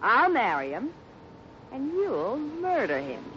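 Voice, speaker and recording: A woman's voice: on the high side, huge pitch swings, takes it slowly, a bit bright, heavily acted. An actress playing a cold, sly, flippant female swindler in a 1950s radio drama. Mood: coldly scheming. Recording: muffled, noisy 1950s radio recording.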